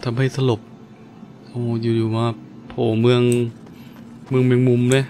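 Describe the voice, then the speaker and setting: A man's voice: medium pitch, flat delivery, a little slow, mellow. A man hosting a gaming video with casual, joking commentary, exclaiming and talking to himself as he plays. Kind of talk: casual let's play commentary. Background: game music and effects.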